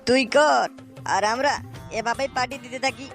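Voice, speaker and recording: A woman's voice: sits high, fairly even intonation, normal speed, creaky, music in the background. A woman voicing a tipsy, boastful young man who banters in slang in a comic cartoon. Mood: cheeky banter. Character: tipsy young male drinking buddy, cheeky and boastful.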